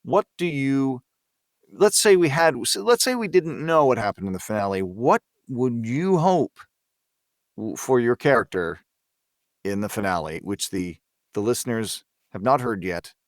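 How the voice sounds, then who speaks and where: A man chatting casually as a voice actor guest on a podcast, thinking aloud with halting, repeated phrases. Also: mid-range voice, animated, no echo, studio quality. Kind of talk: casual group discussion.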